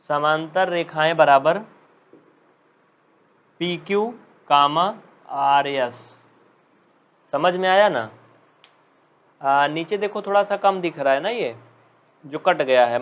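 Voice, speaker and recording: Higher-pitched man teaching math, scolding. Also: a bit bright. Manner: scolding, teasing students, reading out commenters' names. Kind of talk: live online class lesson.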